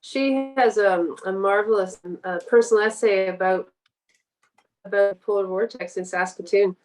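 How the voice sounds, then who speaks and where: A woman's voice: medium pitch, normal speed, darkish tone, low-quality recording. A woman with a Canadian accent speaking casually as a guest writer, hesitant and searching for her words. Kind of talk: casual literary interview.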